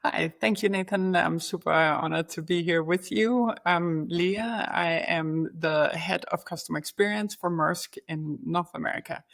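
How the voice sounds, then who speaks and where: A woman's voice: lowish voice, unhurried, gravelly, hardly any pauses. Woman answering as a guest. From Denmark. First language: Danish. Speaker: podcast guest, corporate executive. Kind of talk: conversational interview answers.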